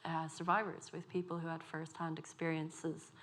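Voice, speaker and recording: Low flat-voiced Dublin woman. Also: moderate pace. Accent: Dublin Irish. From Ireland. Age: 30s. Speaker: author on a festival panel. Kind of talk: panel discussion.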